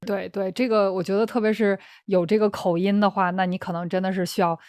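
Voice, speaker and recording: A woman's voice: mid-range voice, little pitch movement, a little fast, darkish tone, dry recording, studio quality. A young woman with a Beijing accent, hosting and explaining words to learners in casual chat, often laughing. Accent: Beijing Mandarin. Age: young adult. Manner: chatty, breaks into laughter, restarts phrases. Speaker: Chinese teacher and host.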